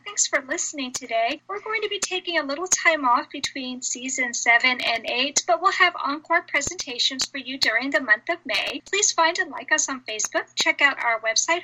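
A woman radio host with a high, bright voice, asking questions gently and encouragingly. A faint hiss of noise sits under her voice. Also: low-quality recording. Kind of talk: interview hosting.

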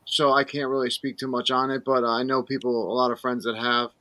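A man hosting a casual paranormal podcast, asking animated questions and repeating himself. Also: medium pitch, fairly quick, no room sound.

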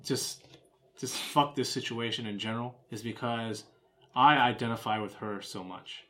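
A man's voice: medium pitch, normal speed, fairly bright tone. A young American man chatting casually as a co-host, leaning on fillers like "like" and "right?". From United States. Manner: filler-heavy, keeps asking "right?". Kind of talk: casual chat.

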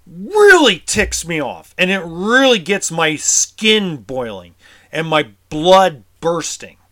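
A man's voice: sits high, very animated, slow, fairly bright tone. A tense man ranting in a vlog as an RV service technician, frustrated and heated, swearing and stammering over repeated words. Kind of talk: vlog rant.

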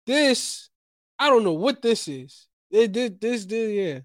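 A young man from New Jersey co-hosting a casual podcast, talking in a lively, rambling, slangy way about his week and his writing. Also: sits high, slow, dry recording, clean studio sound. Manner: animated, rambling storyteller, slangy. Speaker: podcast co-host, playwright. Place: Los Angeles.

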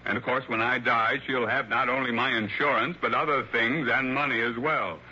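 A man's voice: mid-range voice, steady tone, moderate pace, bright, forceful tone, breathy edge. An actor playing a wealthy male mystery author in his late fifties, gushing and hesitant with fillers, in a 1960s radio drama. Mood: brooding. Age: 50s. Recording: dull lo-fi old radio broadcast.

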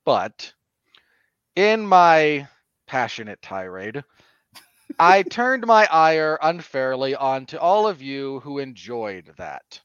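A man hosting a film podcast, giving casual commentary in a wordy, deliberate, mock-formal manner. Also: mid-range voice, sing-song, a bit bright, clear, resonant tone, dry recording, lo-fi sound. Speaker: podcast host and film reviewer.

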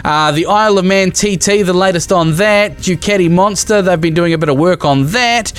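A man's voice: high-pitched, normal speed, fairly bright tone, clean tone. A man, presenting a podcast as its host.

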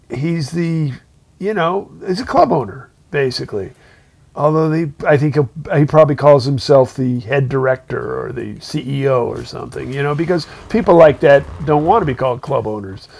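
A man's voice: a little high, vocal fry, a little mellow. A man co-hosting a casual talk show, rambling with many "you know"s and restarts. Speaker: podcast co-host, working musician. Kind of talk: casual chat.

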